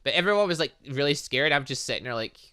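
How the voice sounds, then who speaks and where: A man's voice: medium pitch, lively intonation, quick pace, bright, forceful tone, smooth. A young man giving casual let's play commentary on a visual novel, rambling and thinking aloud with muttered filler sounds. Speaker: gaming channel host.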